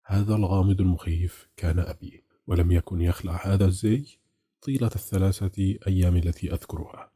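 A man voicing a troubled, bitter middle-aged caller in an audiobook, with restrained anger, in a husky, very dark, low voice. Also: fairly even intonation, a little fast. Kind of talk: audiobook character reading.

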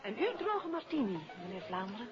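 A woman's voice: on the high side, very animated, brisk. A woman acting as a gracious, attentive hotel hostess in a 1950s Dutch radio drama, polite and solicitous in a sociable way. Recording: dull old radio recording, busy background chatter.

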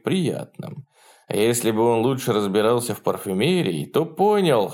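Man reading an audiobook aloud. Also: on the low side. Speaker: audiobook narrator. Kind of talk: scripted narration.

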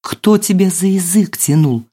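A woman reader voicing a gruff, irritated man in black, the shorter of two intruders, in an audiobook. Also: fairly low pitch, a little slow, mellow, voice pushed up. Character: gruff stocky male thug, the shorter one.

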